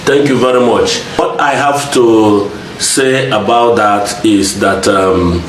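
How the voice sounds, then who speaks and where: Male chief, very slow and hesitant, echoey noisy room. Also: lowish voice. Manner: slow, deliberate, hesitant with many ums. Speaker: chief and company CEO. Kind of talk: interview answer.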